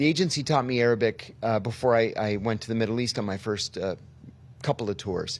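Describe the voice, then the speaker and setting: A man with an American accent and an unremarkable speaking voice talks at a fairly quick pace with ordinary pitch variation. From Pennsylvania, US. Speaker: former intelligence officer. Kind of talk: podcast interview.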